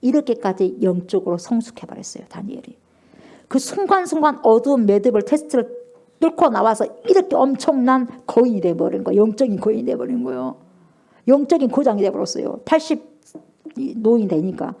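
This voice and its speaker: A woman pastor's sermon comes in a mellow, highish voice that's animated and fairly quick, touched with vocal fry. Emphatic throughout, she quizzes the congregation and performs scripture with growing emotion.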